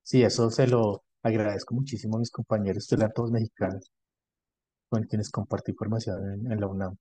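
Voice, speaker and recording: A man with a Colombian accent, a dentist answering conversationally as an interview guest, explaining things in a measured way. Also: lowish voice, fairly even intonation, dark tone, dry recording. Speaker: podcast guest, dentist specialised in prosthodontics and implants.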